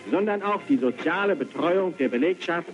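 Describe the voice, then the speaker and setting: A man's voice: a little high, animated, normal speed, dull audio. A man narrating an old newsreel in a formal, proclaiming announcer manner, played back as an archive clip. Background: music.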